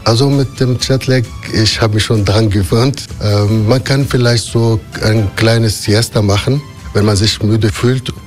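A man's voice: fairly low pitch, steady tone, a little slow, faint music behind. A man who speaks German as a second language and works as airline cabin crew. He talks hesitantly, with many fillers as he searches for words. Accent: non-native German. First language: not German.

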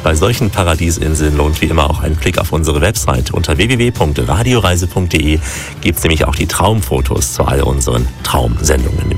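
Deep-voiced German radio travel host. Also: male voice. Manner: chatty, enthusiastic presenter. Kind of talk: radio travel interview and sign-off.

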